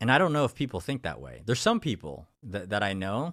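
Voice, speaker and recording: Recorded very cleanly against a silent background, a man with a bright, sharp tone and vocal fry speaks at a moderate pace with very wide pitch swings. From Philippines, moved to US in the 1990s as a child. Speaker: podcast host and mindset coach. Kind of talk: motivational monologue. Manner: casual, energetic.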